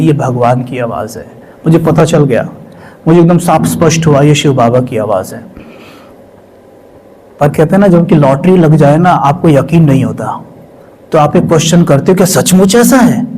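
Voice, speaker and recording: A man giving an emotional personal testimony about a spiritual experience, storytelling with dramatic pauses and repetitions, dropping to hushed tones and rising to excited ones. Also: a little high, low-quality recording. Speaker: spiritual community member sharing his experience.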